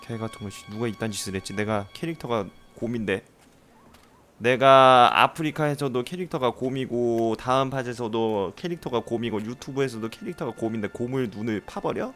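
A man's voice: medium pitch, moderate pace, a bit bright, faint music behind. A man giving casual, jokey commentary while playing a horror game, exclaiming and swearing at scares. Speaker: game streamer.

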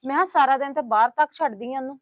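A woman's voice: high-pitched, rapid-fire, dry recording, close to an everyday voice. A woman playing a talkative, complaining housewife in a family web drama. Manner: complaining, gossiping, soothing. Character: talkative scheming woman, middle-aged housewife. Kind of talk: web series acting. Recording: dull lo-fi sound.

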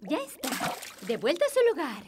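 A woman with a Latin American accent voicing a gentle, orderly schoolteacher in a children's cartoon, coaxing her class. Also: high voice, wildly swooping pitch, normal speed, noisy background. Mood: gently instructing.

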